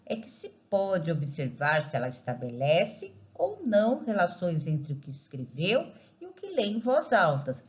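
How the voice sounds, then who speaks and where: A woman narrating a training video for teachers, in a measured, explanatory way. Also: fairly low pitch, darkish tone. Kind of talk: scripted instructional narration. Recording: dull lo-fi recording.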